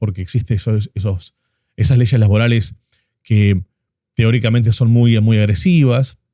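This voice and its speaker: A man with a Rioplatense accent speaks at a medium pitch in a dark, mellow tone. The sound is dry and close, with no echo. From Argentina. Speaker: podcast host. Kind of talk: podcast interview.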